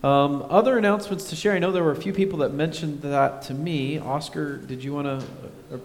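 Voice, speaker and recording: A man leading a church service, making announcements in a relaxed way with joking asides. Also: on the high side, fairly quick. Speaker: pastor. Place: church sanctuary. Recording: reverberant church hall, faint noise.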